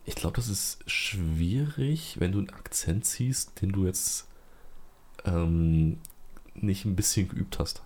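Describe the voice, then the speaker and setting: A man's voice: deep voice, takes it slowly, a little mellow, slightly rough. A man co-hosting a podcast in casual chat, dry and matter-of-fact with drily joking remarks. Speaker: podcast co-host.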